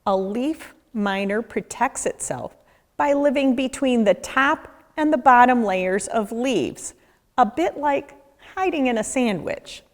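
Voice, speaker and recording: A woman reading a children's book aloud, expressively and deliberately, as a nature educator speaking to young listeners. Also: on the high side, expressive. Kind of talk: children's read-aloud narration. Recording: echoey, reverberant room.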